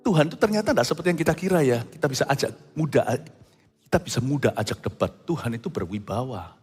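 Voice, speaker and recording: A man preaching a sermon as pastor, animated and theatrical, acting out quoted speech and slipping into English phrases. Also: medium pitch, quick pace, husky. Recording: music under voice, long church reverb.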